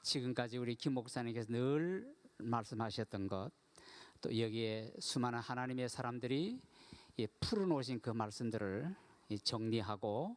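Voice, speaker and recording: A man at medium pitch with ordinary pitch variation, talking at a fairly slow pace. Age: 60s. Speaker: guest pastor. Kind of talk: sermon.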